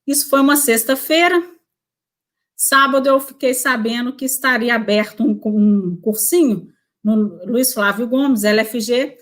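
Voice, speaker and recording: A woman in her forties from Brazil, a prosecutor telling her career story in a relaxed interview, with tag questions and self-corrections. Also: on the high side, measured pace.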